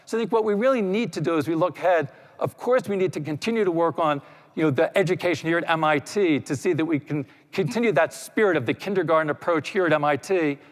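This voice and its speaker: A man giving a conference talk, explaining in a relaxed way with many "you know" asides. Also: a little high, quick pace. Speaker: panel speaker. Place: lecture hall. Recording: echoey hall reverb.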